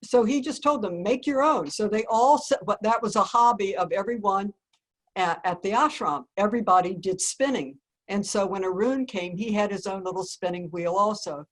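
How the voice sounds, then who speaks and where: A woman, a spiritual teacher who is a guest on a podcast, telling a teaching story in a calm, measured and gently earnest way. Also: mid-range voice, rough recording. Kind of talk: slow reflective storytelling.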